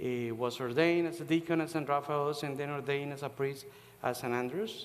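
Fairly even intonation carries a man's speech, which moves at a fairly quick pace. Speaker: priest. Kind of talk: sermon. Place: church.

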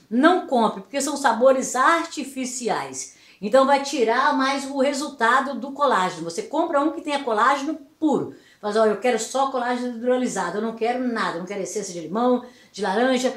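Audible room echo surrounds a woman speaking at a high pitch and a moderate pace. The background is otherwise quiet. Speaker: lifestyle vlogger. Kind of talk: casual vlog advice. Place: kitchen.

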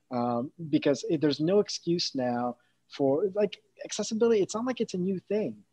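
This man has a high pitch and a dark, mellow tone with very wide pitch swings. He leaves long, frequent pauses. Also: fairly quick pace. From Canada. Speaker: accessibility engineering lead, event co-founder; webinar panelist. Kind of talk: webinar interview. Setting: video call. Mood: earnest, emphatic. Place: home room. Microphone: video call.

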